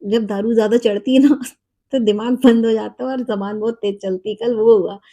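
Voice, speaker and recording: A young woman talks over a reaction video in a high, husky voice, mocking and scolding the people she watches. Her tone is soft and mellow rather than bright. Now and then she slips into English. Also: fairly even intonation, moderate pace. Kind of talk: sarcastic reaction commentary.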